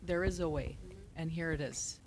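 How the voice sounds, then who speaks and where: A woman from the US with a very low voice, speaking as a guest on a podcast panel. Her talk is casual and loose, filled with "like" as she makes her points. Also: steady tone, normal speed, a little mellow. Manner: casual, uses "like" often.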